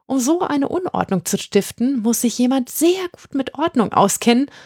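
A woman voicing an eccentric female Christmas witch who speaks in exaggerated courtly phrases with high, squeaky swoops. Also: big pitch swings, moderate pace, darkish tone, slightly rough, no room sound, clean studio sound, full character voice. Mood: chatty.

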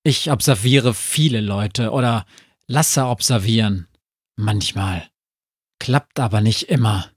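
A man's voice: lowish voice, slow, slightly rough, no echo, clean studio sound. A man voicing a grumpy, scheming dwarf who grumbles and snorts in a storybook reading. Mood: gruff.

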